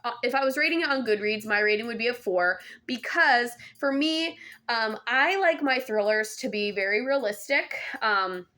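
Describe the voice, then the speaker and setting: A young woman talks casually through a book review, her voice sitting a little high for a woman. She rambles in a chatty way, full of ums and restarts. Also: normal speed, sharp tone.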